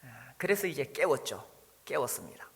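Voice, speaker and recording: A man's voice: mid-range voice, big pitch swings, normal speed, gravelly, fairly bright tone. A man preaching a sermon as pastor, musing aloud with frequent "ah" and "uh" fillers. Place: church sanctuary. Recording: long reverb of a hall.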